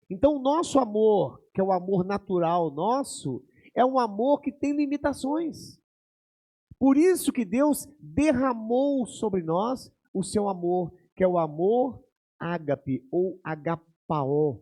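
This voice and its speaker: A man's voice: high voice, dark tone. A male pastor with a Brazilian Portuguese accent, preaching a sermon, often tagging "né?" and acting out quoted dialogue.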